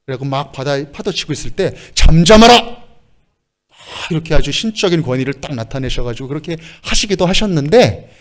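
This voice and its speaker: A male pastor preaches a sermon, talking fast in a voice a little higher than typical for a man. He is lively and expressive, breaking into short laughs and acting out the lines he quotes.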